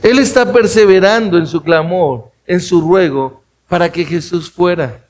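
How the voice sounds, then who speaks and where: A man preaching a sermon, speaking straight to his listeners with rhetorical questions and acting out pleading voices. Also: a little slow. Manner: acts out pleading voices, rising high for cries; addresses listeners directly, asks rhetorical questions. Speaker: pastor.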